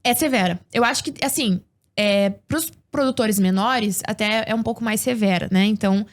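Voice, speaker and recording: A woman appears as a guest agricultural producer on a casual podcast, explaining things in a medium-pitched voice at a moderate pace. She often ends her sentences with tag questions.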